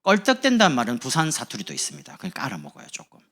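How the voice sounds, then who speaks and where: Lively pastor with a lilt. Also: male voice, mid-range voice, racing. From Busan, South Korea. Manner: lively, chatty, humorous asides to the congregation. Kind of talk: sermon. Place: church sanctuary.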